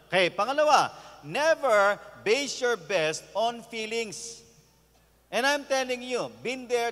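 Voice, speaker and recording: A man with a Filipino accent preaching a lively sermon as a pastor, talking straight to the crowd. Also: high voice. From Philippines. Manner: animated, talks straight to the crowd. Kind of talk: sermon at a youth conference. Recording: long hall reverb from a live event.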